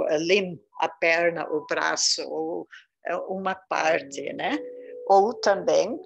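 A woman's voice: lowish voice, gravelly, dull audio. A woman from southern Brazil with a gaúcho Brazilian Portuguese accent, patiently teaching beginners English pronunciation and repeating each word. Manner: slow, patient, repeats words for learners. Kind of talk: casual beginner English lesson.

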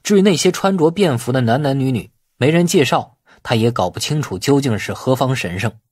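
A man's voice: medium pitch, animated, a little fast, darkish tone, husky, no echo, studio quality. A man narrating a novel as a scripted audiobook.

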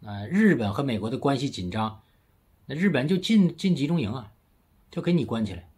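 A man from China delivers a casual political commentary into his phone, emphatic and mocking. His husky voice swings widely up and down as he leans on rhetorical tag questions. It sounds like a solo vlog recorded indoors. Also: medium pitch, lively intonation, brisk, a little mellow.

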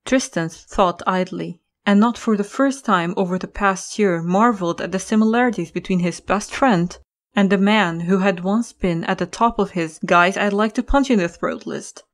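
A woman's voice: medium pitch, normal speed. A woman narrator reads a scripted story for an audio drama. Her voice sits in a middle register.

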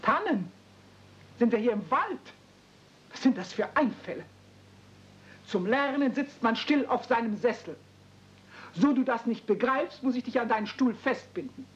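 An actress playing a stern, prim, haughty housekeeper who scolds, in a 1970s radio play. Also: female voice, fairly high pitch, animated, unhurried, long pauses. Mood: stern, exasperated. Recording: dull old radio play recording.

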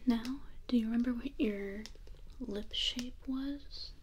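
A young woman in her twenties doing a whispered role-play as a face clinic worker, speaking softly, gently and reassuringly from a small bedroom. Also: on the high side, slow, slight background noise. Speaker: ASMR artist.

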